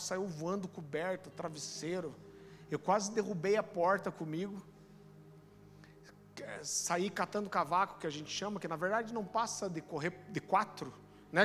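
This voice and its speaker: A man in his thirties with a Brazilian accent from Curitiba, preaching a sermon and telling a personal testimony in an animated storytelling way. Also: high voice, big-room sound. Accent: Brazilian Portuguese, Curitiba. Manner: animated storytelling, addresses listeners as brother. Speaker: pastor. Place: church auditorium.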